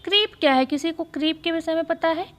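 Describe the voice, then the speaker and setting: A woman teacher going through exam questions, speaking slowly and repeating key phrases so students can write them down. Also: extremely high pitch. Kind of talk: exam-prep lesson.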